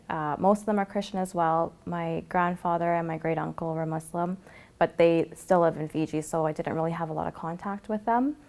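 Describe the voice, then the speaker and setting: A young woman from Canada calmly telling her personal story of faith, often pausing with fillers. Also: fairly low pitch, vocal fry. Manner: reflective, with frequent fillers. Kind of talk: personal testimony to camera.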